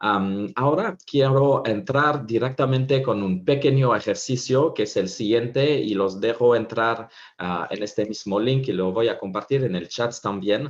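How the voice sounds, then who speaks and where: A voice at a fairly slow pace with ordinary pitch variation and hardly any pauses. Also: man, medium pitch for a man. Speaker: consultancy training director and speaker. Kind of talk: webinar presentation. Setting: online webinar. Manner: halting, many filler sounds.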